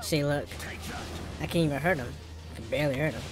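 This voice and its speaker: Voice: medium pitch, fast talker, over music. A gaming streamer with an African American English accent, giving casual gameplay commentary.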